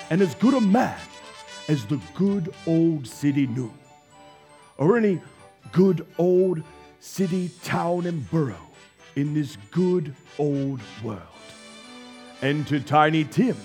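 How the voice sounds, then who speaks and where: A man performing as the narrator of a Victorian tale in a scripted radio play on stage, measured, with dramatic pauses. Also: fairly high pitch, a little mellow. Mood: warm, celebratory. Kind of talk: scripted theatrical storytelling. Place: theatre stage before a live audience. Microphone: shared stage microphone. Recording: live stage recording with music.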